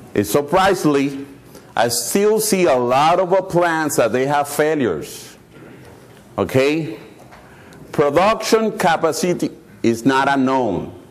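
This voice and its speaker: A man with a fairly high voice speaks with lively intonation and very even loudness, at a fairly slow pace with long, frequent pauses. Audible room echo and noticeable background noise are present. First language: not English. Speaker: maintenance service provider. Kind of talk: conference presentation.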